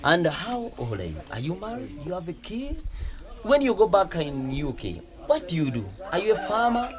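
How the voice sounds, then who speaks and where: A man's voice: high-pitched, huge pitch swings, moderate pace. A man with a Ugandan accent hosting a casual interview on a film set, hesitant with many fillers and restarts. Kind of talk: casual interview, switching to Luganda commentary. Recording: crowd chatter behind.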